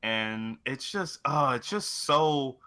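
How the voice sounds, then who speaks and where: A man's voice: medium pitch, lively intonation, slow, bright, forceful tone. A man talking casually about video games as a co-host, rambling along and swearing freely. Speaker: podcast co-host.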